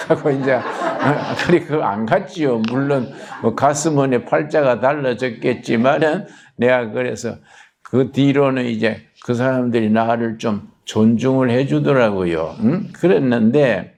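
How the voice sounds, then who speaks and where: Gravelly older pastor, slow folksy telling. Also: male voice, medium pitch, a little mellow. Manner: folksy, plain-spoken, anecdotal. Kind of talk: storytelling sermon.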